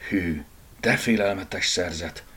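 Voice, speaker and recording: A man's voice: on the low side, wildly swooping pitch, creaky, exaggerated voice. A man voicing a timid black house cat who wonders and mutters uneasily. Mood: hushed awe.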